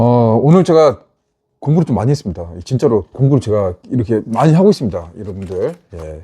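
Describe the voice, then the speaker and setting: A somewhat breathy man's voice of medium pitch with a dark, mellow tone, very wide pitch swings and a fairly quick pace. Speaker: local real estate news YouTuber. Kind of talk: solo news commentary. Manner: fast.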